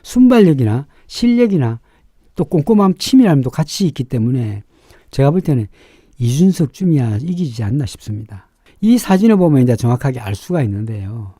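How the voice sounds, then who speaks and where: Animated, sharp-edged man with a dark tone. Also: mid-range voice, fairly quick, husky, no echo, clean studio sound. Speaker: fortune-teller and face reader hosting a show. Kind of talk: informal explanatory commentary.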